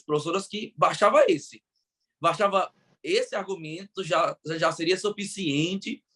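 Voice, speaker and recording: A man's voice: a little high, a bit bright. A man hosting a Bible study podcast discussion, speaking with enthusiastic, preacherly emphasis and a Brazilian Portuguese accent. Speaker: podcast host.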